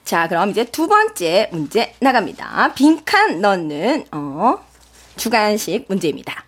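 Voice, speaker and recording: A woman's voice: medium pitch, huge pitch swings, a little slow, slight background noise. A woman co-hosting a live radio quiz show, bantering as she presents the questions.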